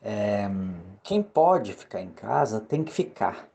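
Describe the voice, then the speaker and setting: A Brazilian man giving an opinion off the cuff, haltingly searching for words. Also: lowish voice, sing-song, gravelly, dark tone. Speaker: interviewee. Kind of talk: spontaneous opinion.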